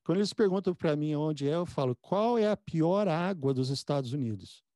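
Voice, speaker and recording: A man hosting a casual conversational interview, speaking haltingly and often repeating words as he goes. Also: a little high, animated, warm tone, dry recording, clean studio sound. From born in the United States.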